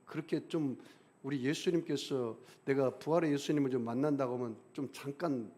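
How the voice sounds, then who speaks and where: A middle-aged senior pastor preaches a sermon emphatically, his pitch and volume swinging widely as he leads the congregation in call-and-response. He keeps a moderate pace and a warm tone.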